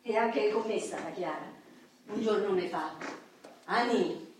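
A woman's voice: medium pitch, measured pace, a little mellow, a little hiss or hum, close to an everyday voice. An actress playing a feisty disabled communist woman with a Roman accent, telling her story colloquially in a theatrical radio play. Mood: animated, wry. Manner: vivid, colloquial storytelling, acting out quoted people. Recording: echoey hall, distant mic, clicks.

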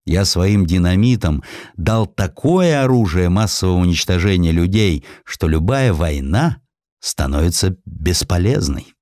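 A proud, cynical male inventor as a male narrator acts him out holds forth in an audiobook drama. He declaims with sardonic emphasis, his pitch swinging high and wide. The sound is dry. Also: lively intonation, a little slow, darkish tone, no echo. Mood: insistent, proud.

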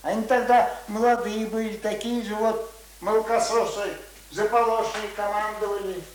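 A man's voice: high voice, fairly even intonation, normal speed, close to an everyday voice. An actor playing a stubborn, uneducated old village man in a radio play, grumbling in folksy, colloquial speech. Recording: roomy radio play recording, faint noise.

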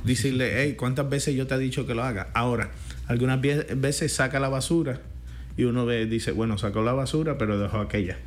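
A man with a Puerto Rican accent, a pastor, telling lively stories in a casual faith talk and acting out quoted lines. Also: mid-range voice, brisk, a little hiss or hum.

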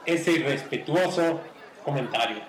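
Man playing a prim, formal gentleman. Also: fairly high pitch, measured pace, lightly acted. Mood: prim indignant. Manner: stiffly formal, politely indignant. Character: prim, courteous male gentleman of justice. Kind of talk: amateur radio drama acting. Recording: roomy echo.

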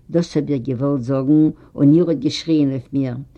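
Reader doing shy eager young newcomer girl, earnest, polite, warm dark tone, muffled old tape. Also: medium pitch, steady tone, normal speed, natural voice. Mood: reminiscing. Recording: dull lo-fi recording.

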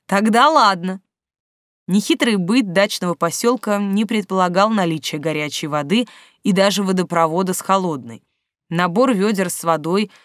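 An audiobook narrator reading a story in an even, measured way. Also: medium pitch, dry recording, clean studio sound. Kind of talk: scripted narration.

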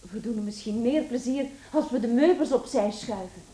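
An actress playing a dutiful, protective young daughter in a radio play, speaking politely and carefully, coaxing. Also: female voice, on the high side, normal speed, warm tone, echoey room, a little hiss or hum, lightly acted.

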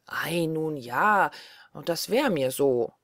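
A woman's voice: fairly low pitch, animated, dry recording, studio quality. A woman reading an audiobook, voicing a rude, haughty elder daughter in a fairy tale. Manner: sulky, disdainful, drawn-out.

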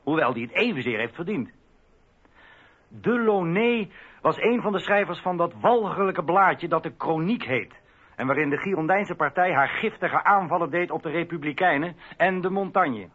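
Husky, scornful revolutionary accuser. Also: male voice, a little high, animated, moderate pace. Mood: scornful, accusing. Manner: contemptuous, denouncing. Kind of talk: radio play oratory. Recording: thin phone-like radio recording.

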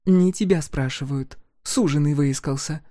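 A man's voice: a little high, moderate pace, dark tone, dry recording, studio quality, pitched above the performer's own voice, lightly acted. A man reading an audiobook, voicing a bold, mocking young village girl who speaks slyly and haughtily. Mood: teasing. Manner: sly, teasing, haughty.

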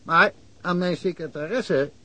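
An actor playing a chatty rural police chief in a radio play, rambling through anecdotes. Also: male voice, high voice, measured pace, pushed and bright, exaggerated voice. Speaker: village policeman. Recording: old radio play with faint hiss.

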